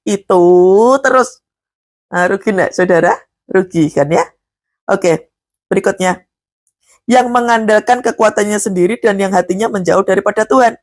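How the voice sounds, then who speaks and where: A woman, preaching a live devotional sermon, often putting questions to the congregation and rising high on emphatic words. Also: moderate pace, long pauses.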